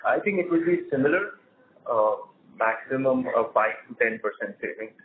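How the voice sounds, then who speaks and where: A male company executive, explaining plans on an earnings call in a measured way. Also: medium pitch, expressive. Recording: narrow phone conference line.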